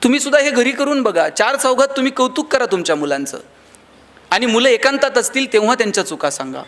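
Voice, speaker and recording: His voice is very high, animated and fairly bright, and he talks at a quick pace. He is a motivational speaker with a Marathi accent, addressing a hall with stories and voicing the dialogue of other characters.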